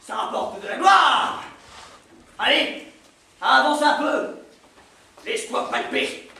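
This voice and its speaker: An actor as a high, barking drill sergeant. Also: animated, slow pace, creaky, pushed and bright, full character voice. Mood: goading, mocking. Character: blustering army recruiting sergeant hounding a young man. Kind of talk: theatrical stage acting. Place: theatre stage, indoors. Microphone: far camera in audience. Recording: echoey theatre hall, distant, noisy.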